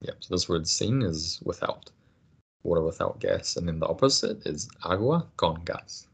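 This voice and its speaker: Low gravelly guy teaching a casual language lesson, husky voice, patient. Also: lively intonation. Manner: patient, encouraging, explains slowly.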